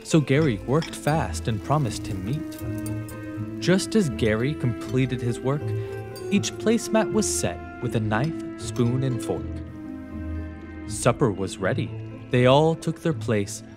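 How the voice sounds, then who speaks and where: Animated male storyteller over music. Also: medium pitch, slow pace. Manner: theatrical, rhythmic, expressive. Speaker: story narrator. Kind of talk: scripted rhyming children's storybook narration.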